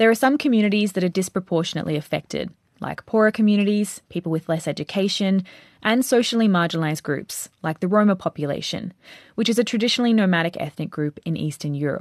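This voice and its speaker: A woman's very fast speech with an Australian accent, medium pitch and lively intonation, dry and close with no echo over a quiet background. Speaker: radio producer and reporter. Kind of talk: scripted narration.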